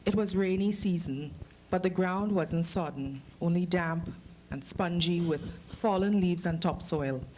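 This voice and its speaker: A woman's voice: on the low side, a little slow, darkish tone, rough recording. A woman with a Trinidadian accent, an author speaking and reading her fiction to a live audience with careful phrasing and a playful manner. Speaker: author reading from own short story. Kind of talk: literary reading with informal introduction to a live audience. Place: live lecture event before an audience. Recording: live talk with clear background noise.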